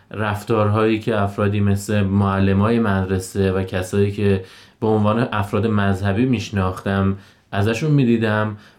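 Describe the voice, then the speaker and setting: A man speaks with monotone, flat intonation. His loudness stays very even. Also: very clean recording, silent background. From Iran, Lalejin near Hamedan. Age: 30s. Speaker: car mechanic and amateur playwright. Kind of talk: life story interview.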